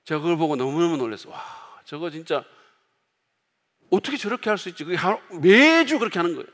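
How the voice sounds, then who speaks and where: A male pastor delivers a sermon in a relaxed, conversational way, speaking directly to his congregation. His voice sits a little higher than most men's. The words trail off into the long reverb of a church sanctuary. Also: fairly quick. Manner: conversational preaching, acts out quoted outbursts loudly.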